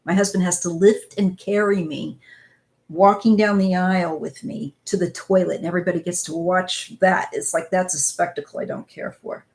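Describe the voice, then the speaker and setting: A woman's voice: fairly low pitch, fairly even intonation, moderate pace, gravelly, darkish tone. A woman in her fifties from northwest Missouri, hosting a rambling, casual live-stream chat with viewers. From northwest Missouri, USA. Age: 50s. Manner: rambling, chatty, talks to viewers as "you guys". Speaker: tarot channel host reading live chat.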